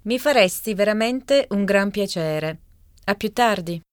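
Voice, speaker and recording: A woman voicing a caller who leaves a voicemail, in slow, carefully enunciated scripted speech. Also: medium pitch, lively intonation, clear, resonant tone, no room sound, studio quality, close to an everyday voice. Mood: apologetic. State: leaving a voicemail message. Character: adult woman leaving a voicemail for her partner. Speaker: voice actor in a language listening exam. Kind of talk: scripted exam dialogue reading.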